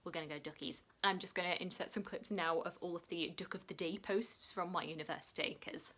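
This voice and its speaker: Quick, bright-voiced Yorkshire woman. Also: on the low side, steady tone. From West Yorkshire, England. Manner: chatty and self-mocking, many "like" fillers. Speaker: book vlogger. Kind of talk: casual Q&A chat to camera.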